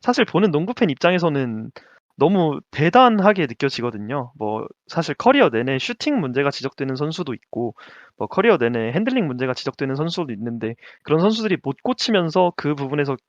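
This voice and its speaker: Lively higher-voiced man chatting basketball. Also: a little fast, no room sound, dull audio. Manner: lively, laughs often, stumbles over names. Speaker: podcast co-host. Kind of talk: casual basketball chat.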